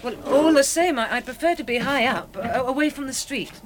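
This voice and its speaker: Nervous genteel young woman, British accent, slightly high pitch, polite, hesitant, emotional, vintage radio acting, noisy old recording. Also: lively intonation, brisk. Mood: hesitant, uneasy. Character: anxious, genteel young woman fleeing a catastrophe.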